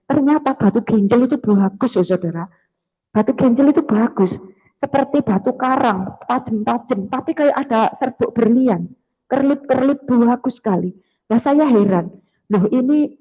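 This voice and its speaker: A woman tells her testimony to a church crowd in a lively, storytelling way. She mimics sounds and keeps addressing her listeners directly. The recording is muffled and lo-fi, with long echo rolling around a large hall. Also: on the high side, moderate pace, husky. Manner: animated storytelling with sound effects, calls the audience "brothers and sisters". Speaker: testimony giver. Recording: echoey hall, dull lo-fi sound.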